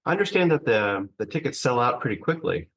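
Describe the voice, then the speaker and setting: A man with a mid-pitched voice co-hosts an interview show. The sound is dry and close, and he addresses guests and listeners conversationally. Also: very animated, a little fast, husky, no echo. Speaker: show co-host.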